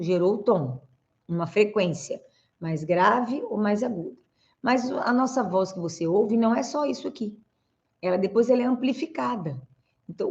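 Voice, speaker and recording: A Brazilian speech therapist and host explaining voice basics to viewers, step by step and in a teaching tone. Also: female voice, medium pitch, a little mellow, dull audio. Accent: Brazilian Portuguese. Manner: didactic, explains step by step with frequent "né?" and "tá, gente?". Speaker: speech therapist and communication coach. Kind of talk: answering viewer questions on camera.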